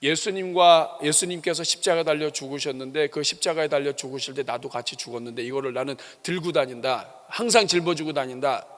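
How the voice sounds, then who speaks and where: A man's voice: fairly high pitch, fairly quick, hardly any pauses, long reverb tail. A male pastor giving a sermon in a church, emphatic and asking the congregation rhetorical questions. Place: church sanctuary.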